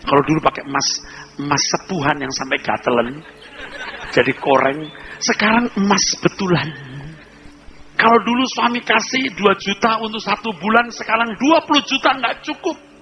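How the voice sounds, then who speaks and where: A male pastor preaching a humorous sermon, telling lively stories and acting out little scenes. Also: high-pitched, normal speed, lo-fi sound, a little hiss or hum.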